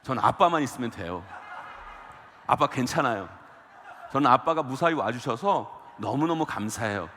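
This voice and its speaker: A man's voice: medium pitch, lively intonation, normal speed, pauses often, sharp tone, a little hiss or hum, voice pushed down. A man voicing his four-year-old daughter, sweet and clingy, within a sermon. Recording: long church hall reverb.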